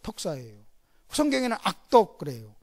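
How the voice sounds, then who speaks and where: Animated Gyeongsang pastor preaching. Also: male voice, high voice, normal speed. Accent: Gyeongsang Korean. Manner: animated, switches between loud emphasis and hushed asides. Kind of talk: sermon.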